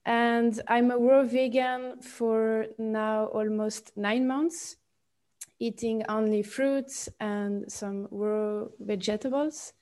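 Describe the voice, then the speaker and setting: A young woman from Switzerland speaks English with a Swiss French accent, pausing often and restarting her sentences. Her voice is mellow and her pitch stays level. She talks slowly as a podcast guest. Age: 20s. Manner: halting, many fillers and restarts. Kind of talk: podcast interview.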